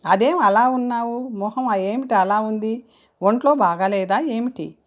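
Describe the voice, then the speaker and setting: A woman voicing a caring, cheerful young man as she reads an audiobook story, with a lively, coaxing delivery. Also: a little high, measured pace, pitched above the performer's own voice, natural voice. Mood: concerned. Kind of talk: audiobook character reading.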